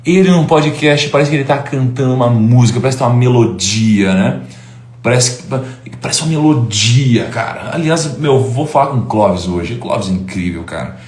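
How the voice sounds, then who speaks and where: A man's voice: mid-range voice, lively intonation, normal speed, a little mellow, reverberant. A man in his thirties giving a live informal lecture as host, chatty and full of tag questions. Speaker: host and teacher.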